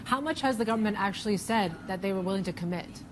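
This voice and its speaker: A woman's voice: mid-range voice, quick pace, background noise. A woman journalist asking questions in a business interview.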